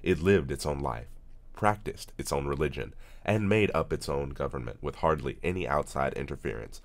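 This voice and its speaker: A man doing a scripted voice-over reading as a professional voice actor, in a solemn, measured, oratorical manner. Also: very deep voice, creaky.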